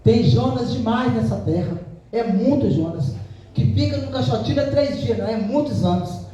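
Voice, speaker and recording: A woman's voice: fairly high pitch, normal speed, mellow, lo-fi sound. A middle-aged woman with a Brazilian Portuguese accent, a missionary preaching an earnest, emotional sermon, often repeating herself and asking the congregation to agree. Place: church sanctuary. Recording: very echoey church from a distance.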